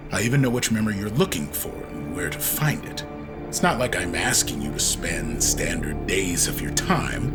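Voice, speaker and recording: Cocky, menacing ship captain. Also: male voice, medium pitch. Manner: commanding, casually threatening, sarcastic. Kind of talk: science fiction audio drama acting.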